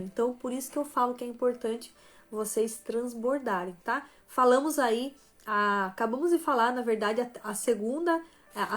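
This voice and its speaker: Woman teaching on a live stream. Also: a little high. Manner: tags most phrases with "né?" and "tá?"; shifts between softer and stronger emphasis. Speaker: live stream host and author.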